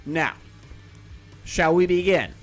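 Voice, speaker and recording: A man's voice: fairly high pitch, animated, slow pace, soft background music. A man hosting a podcast, reading a news article aloud with casual, profane, rambling asides and frequent self-corrections. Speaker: podcast host.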